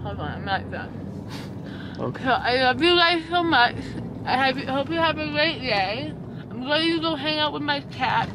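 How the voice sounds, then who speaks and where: There is noticeable background noise as a woman speaks at a moderate pace, the sound dry with no echo. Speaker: vlogger. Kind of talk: casual vlog chat. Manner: drowsy, slurred post-anesthesia talk. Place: car. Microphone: phone near.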